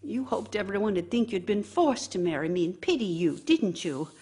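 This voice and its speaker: A woman's voice: medium pitch, animated, normal speed, dark tone, slightly rough. An actress playing a bitter, nagging working wife who scolds her idle husband with scorn and sarcasm in a radio drama monologue. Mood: bitter, sarcastic.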